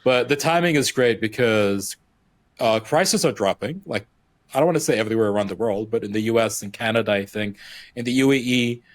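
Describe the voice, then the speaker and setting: A man's voice: mid-range voice, a little fast. A young man co-hosting a gaming podcast, born and raised in the United Arab Emirates, chatting casually with lots of fillers and restarts. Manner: rambling, filler-heavy, restarts often. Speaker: podcast co-host. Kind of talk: casual chat.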